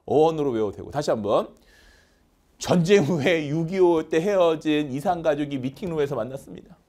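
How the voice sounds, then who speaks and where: A man teaching English vocabulary in a lively lecture, chanting word lists over and over and acting out little skits. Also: a little high, moderate pace.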